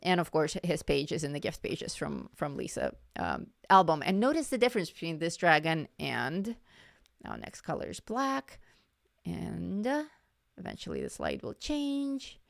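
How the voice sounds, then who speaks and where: A woman teaching a live-stream coloring lesson, chatty and casual, repeating herself as she corrects her words, her voice starting to go hoarse. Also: on the low side, huge pitch swings, moderate pace, no room sound, clean studio sound. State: voice going hoarse.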